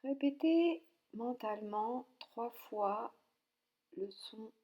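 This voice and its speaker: A woman leading a guided yoga nidra relaxation, speaking calmly and softly with long pauses between short instructions. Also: a little high, muffled recording. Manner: calm, soothing, with long pauses.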